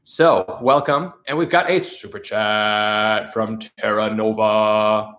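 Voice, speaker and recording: Brief: stuffed-up man in his 30s with a lowish voice, chatty livestream host at home on the couch. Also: steady tone, slow, fairly bright tone. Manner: chatty, upbeat, reads out viewer messages. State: stuffed-up nose from allergies. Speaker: channel host. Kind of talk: casual livestream chat. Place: living room with a couch, indoors. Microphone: camera facing him at close range.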